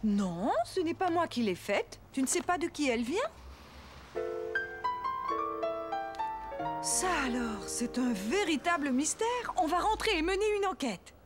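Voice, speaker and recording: A woman voicing a kind, cheerful young mother in a children's cartoon dub, gentle and encouraging. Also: high voice, very animated, normal speed, hardly any pauses, over loud music. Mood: playful surprise.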